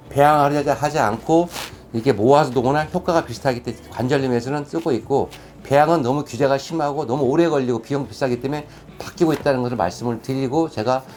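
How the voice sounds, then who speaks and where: Man at a very fast pace and fairly high pitch, over noticeable background noise. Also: ordinary pitch variation. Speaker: orthopedic surgeon. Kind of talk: explanatory talk.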